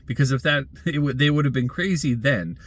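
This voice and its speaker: A man's voice: mid-range voice, fairly quick, a bit bright. Wry man reading an opinion essay. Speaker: blogger and commentator. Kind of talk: scripted opinion essay read aloud.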